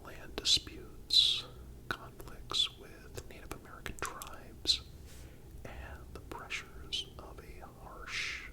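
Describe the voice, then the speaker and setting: Very slow, hushed ASMR whisper. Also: low-quality recording. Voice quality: whispered, breathy. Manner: calm, deliberate, with frequent pauses. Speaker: host and narrator. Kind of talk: ASMR scripted historical narration.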